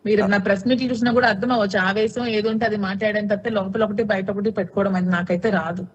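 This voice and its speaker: A woman's voice: medium pitch, steady tone, rapid-fire, slightly rough, muffled recording. A woman answering questions in a TV interview, outspoken and insistent, often repeating her points.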